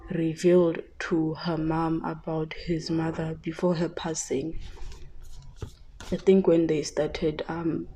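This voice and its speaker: Soft-spoken, hesitant woman. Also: low voice, slight background noise, low-quality recording. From South Africa. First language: Tshivenda. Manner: hesitant, many fillers and restarts. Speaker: tarot reader. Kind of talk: casual psychic reading.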